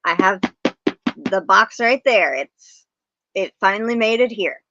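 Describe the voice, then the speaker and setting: A woman's voice: medium pitch, lively intonation, measured pace, pushed and bright, dry recording. A woman hosting a casual livestream, chatty, greeting viewers and reading the chat aloud. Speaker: livestream host. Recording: dull, dry stream audio.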